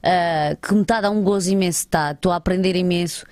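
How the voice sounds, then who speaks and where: A woman's voice: lowish voice, fast, a little mellow, no room sound, studio quality. A woman comedian and presenter with an Alentejo Portuguese accent, chatting casually in an interview and acting out quoted voices.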